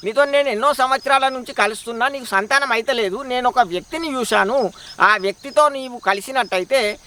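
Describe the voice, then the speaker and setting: A man's voice: very high-pitched, fairly quick, bright, forceful tone, a little hiss or hum. Man playing a crude scheming village husband. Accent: Telangana Telugu. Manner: bossy, crude.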